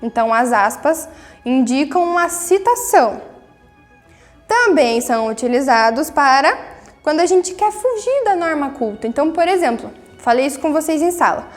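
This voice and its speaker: A woman's voice: high-pitched, sing-song, moderate pace, big-room sound, soft background music. A woman teaching a recorded review lesson, patient and encouraging, checking in with the class often.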